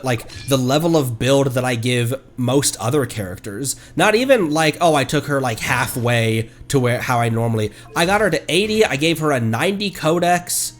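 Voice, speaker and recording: A man giving casual livestream gameplay commentary, halting as he thinks aloud. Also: mid-range voice. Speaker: game streamer. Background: game music.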